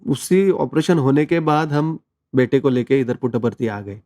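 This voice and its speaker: Earnest man with a mellow voice. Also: mid-range voice, moderate pace, dry recording, clean studio sound. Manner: earnest storytelling, mixes in English words. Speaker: interview guest, devotee. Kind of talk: conversational personal testimony.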